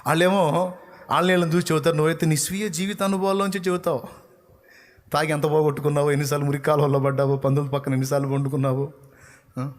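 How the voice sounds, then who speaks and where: A male pastor with a Telugu accent preaching an evangelical sermon, scolding and urging his listeners, swinging between loud outbursts and hushed lines. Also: on the high side, fairly even intonation, quick pace.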